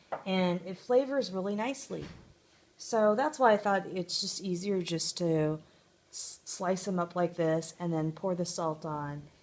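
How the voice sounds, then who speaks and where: A woman speaks in an unremarkable speaking voice at a fairly low pitch, slowly and with ordinary pitch variation. The recording is very clean with a silent background. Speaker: home cooking vlogger. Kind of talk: tutorial. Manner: casual, chatty with fillers.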